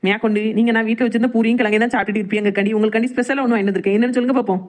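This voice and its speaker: Woman acting a fast-talking cheeky young daughter-in-law. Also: fairly high pitch, steady tone, natural voice. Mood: coaxing. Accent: southern Tamil Nadu. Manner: teasing, mock-innocent. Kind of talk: cartoon comedy drama dialogue.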